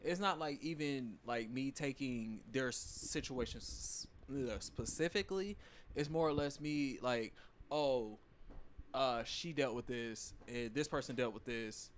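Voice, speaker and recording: Podcast co-host, male, halting and searching delivery, light noise underneath. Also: mid-range voice. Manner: halting, loses his train of thought. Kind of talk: casual group chat.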